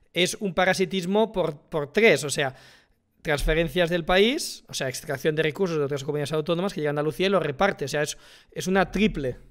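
Spanish accent, young man, headset stream, fairly high voice, muttered asides. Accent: Spanish from Spain. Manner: interrupts often, muttering asides, then bursts of emphatic talk. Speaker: streamer reacting to a video. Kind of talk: casual reaction commentary. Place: small room at home.

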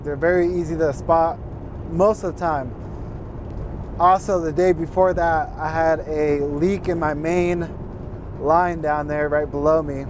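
Young male trucker, a touch high-pitched, earnest advice, filmed in a moving cab with clear road noise. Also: steady tone, unhurried. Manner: earnest, repeats advice, addresses viewers as guys. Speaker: truck driver giving tips. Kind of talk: casual advice vlog. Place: inside a semi-truck cab while driving. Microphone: fixed dash camera. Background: road and engine noise.

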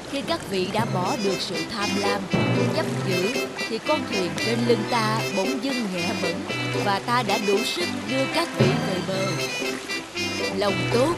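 A man voicing a solemn, benevolent giant whale in a cartoon fable, speaking in a grave, formal, measured way. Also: high-pitched.

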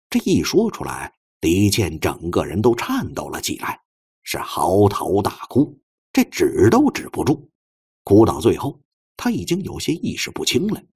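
Deep, husky male audiobook narrator. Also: a little mellow. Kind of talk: expressive scripted novel narration.

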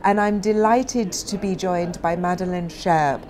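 A woman's voice: fairly low pitch, steady tone, unhurried, a little mellow. A middle-aged woman interviewing as a journalist in a polished broadcast style. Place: large indoor conference venue lobby.

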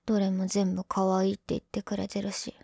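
A woman's voice: mid-range voice, completely flat delivery, fairly quick, gravelly, mellow, slightly rough, no echo, studio quality. A woman playing a young tsundere girlfriend in an ASMR role-play, huffy and sulky but affectionate underneath. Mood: softening, affectionate.

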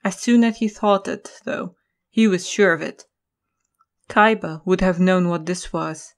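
A woman's voice: fairly low pitch, a little slow. A woman giving scripted narration for an audio drama.

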